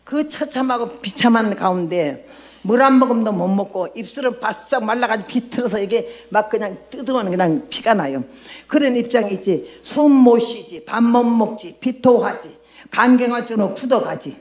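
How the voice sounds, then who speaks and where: An older woman missionary giving a lively testimony sermon, telling her story and acting out her own past words. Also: fairly high pitch, moderate pace. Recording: echoey room.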